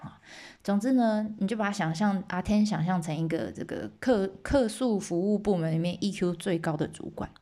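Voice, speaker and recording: A woman retells an old myth in a casual, playful way. She chats with her listeners and slips in asides. Her voice sits at an everyday middle pitch. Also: normal speed, warm tone. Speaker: storyteller host.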